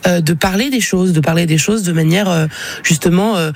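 A woman's voice: on the low side, a little fast. A woman of about forty, a singer, answering radio interview questions frankly and animatedly, with many fillers and restarts. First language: French.

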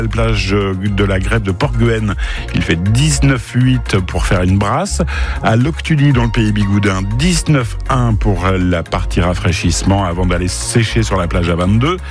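Low-voiced radio weatherman over music. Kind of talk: conversational weather bulletin. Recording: music bed under the voice.

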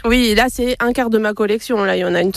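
A woman in her thirties answering questions at her outdoor flea market stall, relaxed and hesitant. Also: a little high, quick pace, vocal fry, dry recording. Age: 30s. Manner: relaxed, laughs easily, hesitant. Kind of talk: casual interview answers.

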